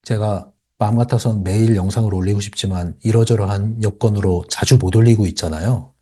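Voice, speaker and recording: A man's voice: on the low side, fairly even intonation, brisk, warm tone, husky. A man hosting a spoken book lecture, emphatic and acting out inner thoughts as he explains. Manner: emphatic, acts out inner monologue with sighs and asides. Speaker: channel host explaining a self-help book.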